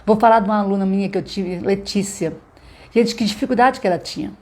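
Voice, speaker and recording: A woman's voice: medium pitch, quick pace, a little mellow. Chatty teacher woman. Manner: chatty, checks in with frequent tag questions. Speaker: literacy teacher. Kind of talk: live-streamed teaching talk.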